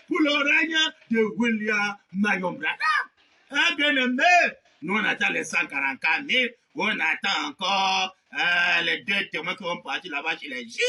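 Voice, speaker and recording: A male preacher delivering a fervent sermon, shouting and repeating amens, his voice swinging up and down. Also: high-pitched.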